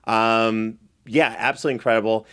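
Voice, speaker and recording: A man's voice: on the low side, little pitch movement, a little fast, fairly bright tone, clean tone. A man hosting a chatty recap show in an enthusiastic, effusive way. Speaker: podcast host and producer.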